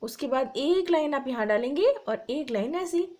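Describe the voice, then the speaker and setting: A woman teacher giving a slow, patient primary school Hindi lesson, spelling words out letter by letter. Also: high-pitched, expressive, a little mellow.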